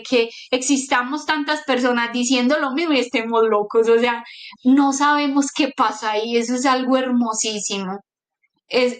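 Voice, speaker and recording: A middle-aged woman shares a personal faith testimony. She talks with earnest emotion and acts out the people in her story. Her voice sits a little high. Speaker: guest giving a testimony.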